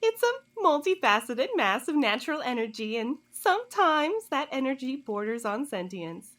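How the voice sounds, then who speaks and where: Woman playing a high, swooping, smug informant. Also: very animated, normal speed, fairly bright tone. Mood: cool, philosophical. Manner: teasing, condescending, theatrical drawl. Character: sly, smug woman informant, coolly taunting her interrogators. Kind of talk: audio drama acting.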